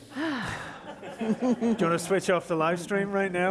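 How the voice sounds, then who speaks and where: Noticeable background noise runs under this recording of a man. He speaks at a fairly slow pace with lively intonation. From northeast England. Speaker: law school dean, moderator. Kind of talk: moderated interview. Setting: lecture hall with audience, live-streamed.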